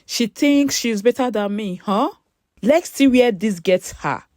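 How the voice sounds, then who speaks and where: A woman's voice: on the high side, lively intonation, measured pace, a little mellow, no room sound. A woman voicing a bitter, envious young woman in a dramatic story, in a dry, close recording. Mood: scornful. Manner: hesitant, stammering when confronted. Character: bitter, envious young woman betraying her best friend.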